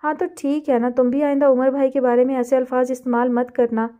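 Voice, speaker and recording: A woman's voice: high voice, little pitch movement, warm tone, lo-fi sound, natural voice. A woman voicing a defensive, earnest young heroine in a storybook reading.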